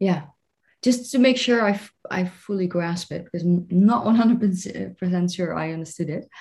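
This woman has a medium pitch and a somewhat breathy voice. She talks at a fairly slow pace with ordinary pitch variation. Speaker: university lecturer and podcast interviewer. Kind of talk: interview conversation.

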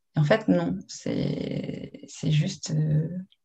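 A woman's very deep, low voice, dark and mellow with vocal fry and ordinary pitch variation. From Geneva, Switzerland. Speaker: stage actress. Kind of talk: casual interview chat.

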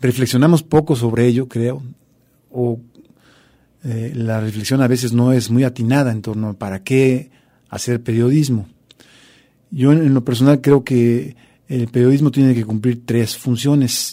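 Speaking at a fairly slow pace with long, frequent pauses, a man uses a medium pitch and a dark, mellow tone. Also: fairly even intonation. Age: 60s. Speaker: journalist. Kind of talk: radio interview.

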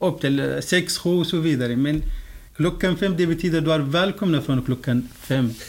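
A man with an unremarkable speaking voice talks at a moderate pace and a fairly high pitch, with ordinary pitch variation. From Syria. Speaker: construction engineer. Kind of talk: interview.

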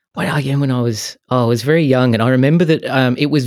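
An Australian accent with ordinary pitch variation on a very clean recording with a silent background. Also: man. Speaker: consultant, freedom of information enthusiast. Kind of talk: casual chat. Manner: halting.

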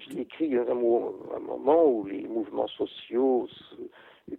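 A man speaks with a Portuguese accent. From Portugal. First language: Portuguese (speaking French). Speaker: author. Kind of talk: radio interview. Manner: halting.

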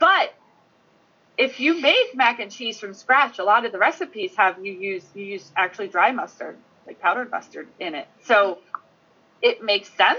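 At a moderate pace, a woman with an unremarkable speaking voice talks with lively intonation, big swings in loudness and a fairly high pitch. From US Northeast, South Jersey. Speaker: cosplayer and podcast co-host. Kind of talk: casual chat. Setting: video call.

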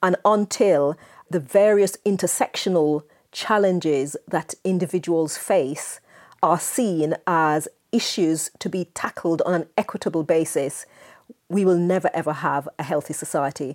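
Speaking with a Jamaican accent, a woman uses a fairly low pitch and ordinary pitch variation at a fairly slow pace. The recording is very clean with a silent background. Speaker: senior nurse. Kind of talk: interview.

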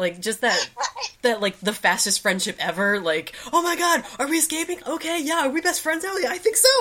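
A raised, projected voice with very wide pitch swings comes through noticeable background noise. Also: woman, high pitch for a woman, fairly quick pace. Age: 30s. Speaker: podcast host. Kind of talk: casual chat. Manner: animated.

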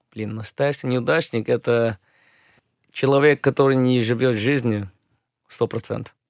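A man at medium pitch with fairly even intonation, a fairly slow pace and long, frequent pauses, on a very clean recording with a silent background. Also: dry, close sound with no echo. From Moscow, of Indian parents. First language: English (speaking Russian). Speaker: businessman, former stand-up comedian. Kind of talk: casual chat. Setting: studio. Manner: halting.

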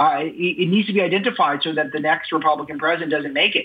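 Noticeable background noise can be heard. Over it, a man talks very fast. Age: 30s. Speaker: news editor and radio host. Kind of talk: interview.

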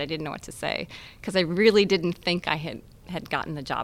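A woman with an American accent at a very fast pace, with ordinary pitch variation. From US Midwest, Chicago suburbs. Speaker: space agency director. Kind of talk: interview.

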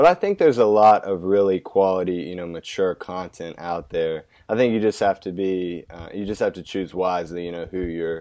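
A man's very deep, low voice with a dark, mellow tone and fairly even intonation. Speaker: podcast host, student. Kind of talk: casual interview chat. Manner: mature-sounding.

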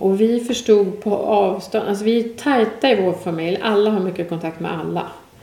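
Hardly pausing, a woman speaks at medium pitch through noticeable background noise and audible room echo. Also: ordinary pitch variation, moderate pace. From Sweden, Strängnäs. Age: 50s. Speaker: priest, former entrepreneur. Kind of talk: casual interview. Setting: at home.

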